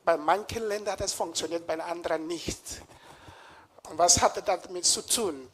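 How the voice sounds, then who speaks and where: A man's voice: high-pitched, moderate pace, a bit bright, a little hiss or hum. Hesitant man giving a lecture. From Nigeria. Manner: frequent hesitations, searching for words. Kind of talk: public lecture. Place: lecture room.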